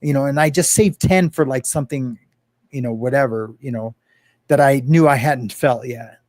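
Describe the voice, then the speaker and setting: A man speaking as an interview guest in casual talk, earnest and open, halting with many fillers and restarts. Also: mid-range voice, darkish tone, no echo, studio quality. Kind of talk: casual interview talk about personal experience.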